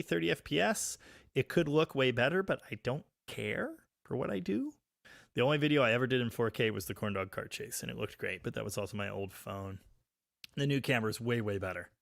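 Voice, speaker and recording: A man hosting a live stream, chatting casually and reading viewer comments, with a very loud voice recorded on a phone. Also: medium pitch, brisk, creaky, dry recording, clean studio sound. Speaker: livestream host reading chat. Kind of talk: casual live chat about cars. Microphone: phone microphone.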